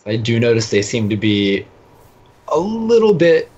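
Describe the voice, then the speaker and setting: A man's voice: mid-range voice, very animated, a little slow, darkish tone, slightly rough. A man chatting casually as a podcast guest, on a dull, lo-fi recording. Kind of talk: casual chat. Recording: dull, lo-fi voice connection.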